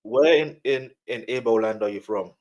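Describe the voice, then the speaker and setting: A man's voice: medium pitch, moderate pace, a little mellow, dull audio. A man hosting a casual interview, informally circling and rephrasing his questions as he goes. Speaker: interviewer, host.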